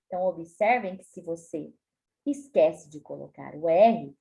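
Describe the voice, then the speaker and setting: Woman, Brazilian Portuguese accent, schoolteacher, very slow deliberate pace, lively sing-song pitch, patient explaining. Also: creaky. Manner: slow, stretches words out syllable by syllable; frequent tag questions, patient explaining tone. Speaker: primary school teacher. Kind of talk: recorded spelling lesson for children.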